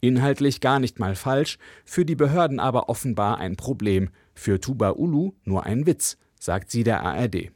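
A male correspondent reads a news report in a steady, measured way. His voice sits at a mid pitch and is recorded close and dry, with no room around it. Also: dry recording. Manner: measured, even news delivery.

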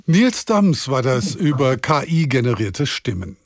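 Measured male radio presenter. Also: mid-range voice, sing-song, no room sound, studio quality. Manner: clear, measured moderation. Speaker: radio show host.

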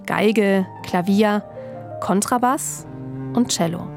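A woman journalist narrates a documentary in a calm, measured storytelling voice of middle pitch. Soft music plays faintly behind her.

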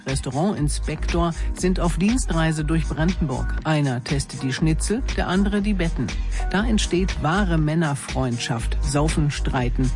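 Casting: male radio presenter, slightly high voice, scripted promo read over music. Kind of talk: scripted radio event tip. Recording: music behind the voice.

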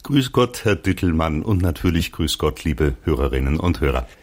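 Husky-voiced retired newsreader, older man. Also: extremely low pitch, normal speed. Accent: light Mainz. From Mainz, Germany. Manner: trained, articulate broadcast delivery with lively emphasis. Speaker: retired radio newsreader, guest. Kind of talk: radio interview over a line.

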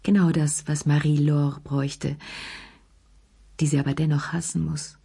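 A woman gives voice to an elegant, worldly woman of mature years with a dry, ironic manner. The voice sits low and slightly husky. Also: little pitch movement, a little slow, dark tone, heavily acted. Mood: musing.

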